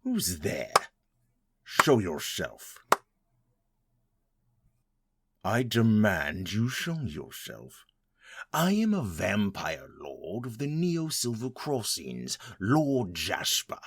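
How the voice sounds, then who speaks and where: A man playing a haughty, vengeful vampire lord in an audio drama, husky and pompous. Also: fairly low pitch, sing-song, full character voice. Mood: imperious, demanding. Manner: pompous, imperious, slow and deliberate. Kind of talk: scripted audio drama acting.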